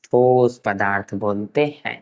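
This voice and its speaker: A man from Uttar Pradesh giving a science lesson, asking rhetorical questions and answering them himself, and slowly repeating key terms for note-taking. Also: on the low side, steady tone. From Uttar Pradesh, India. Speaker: science teacher. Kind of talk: classroom science lecture.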